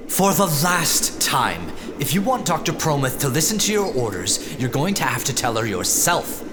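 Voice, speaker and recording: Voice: mid-range voice, very animated, moderate pace, close to an everyday voice. An actor playing a haughty, knowing, easily rattled project official in audio fiction, condescending and theatrical. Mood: smug, needling. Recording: loud music behind the voice.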